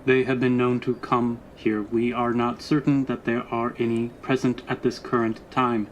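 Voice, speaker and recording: Guy doing a loyal robot bodyguard, very even flat voice, stiff and literal, bit of background ambience. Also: medium pitch, a little hiss or hum, close to an everyday voice, rough recording. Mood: measured, stilted. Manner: stilted, formal, halting machine-like delivery. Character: loyal, literal-minded male robot bodyguard, patient and formal. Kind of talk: tabletop roleplay acting.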